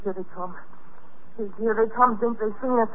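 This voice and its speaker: An earnest, excitable boy pleads urgently in a 1950s radio play. The voice is high and a little raspy, pressing its point insistently. It comes through a thin, tinny old broadcast recording. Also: moderate pace. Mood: tense. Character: earnest, excitable boy convinced of a Martian invasion. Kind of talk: 1950s radio drama acting.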